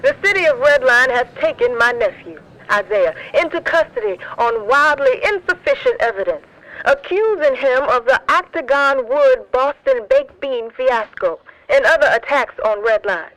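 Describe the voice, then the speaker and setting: A woman's voice: high voice, lively intonation, moderate pace, fairly bright tone, rough recording. An actress playing a proud, defiant woman politician making a formal, declamatory announcement over an intercom in an audio drama. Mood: defiant, resolute. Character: defiant, proud woman mayoral candidate addressing citizens. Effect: intercom or radio speaker.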